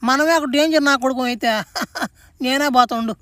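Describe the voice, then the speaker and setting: A bickering village woman of an alien planet from a comedy cartoon in a high, bright voice. She teases and scolds in a rural Andhra Telugu accent. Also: normal speed. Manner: teasing, bickering banter.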